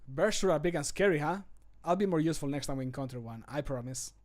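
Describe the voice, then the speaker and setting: A man's voice: fairly high pitch, expressive, quick pace, darkish tone, lightly acted. A man voicing an earnest, wry and reassuring companion in a fantasy game, recorded close to a home microphone. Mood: reassuring, apologetic. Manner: earnest, punning, apologetic.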